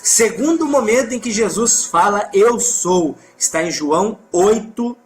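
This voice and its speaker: A man's voice: sits high, expressive, unhurried, faint music behind. A man with a Brazilian Portuguese accent leading a live Bible study, emphatic, reading scripture aloud and correcting himself as he goes.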